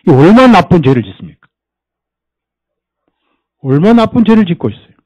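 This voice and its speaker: A man's voice: fairly high pitch, big pitch swings, fairly quick, a little mellow, highs cut off. A male pastor preaching at a church service, quizzing the congregation with rhetorical questions and mimicking people to make his points. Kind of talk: sermon.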